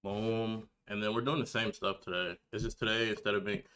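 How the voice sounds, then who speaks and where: Bright-voiced young man, low and laid-back. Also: level tone, brisk, clear, resonant tone. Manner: laid-back, slangy, talking to chat while setting up. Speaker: livestreamer, gamer and reaction video creator. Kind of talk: casual livestream chat.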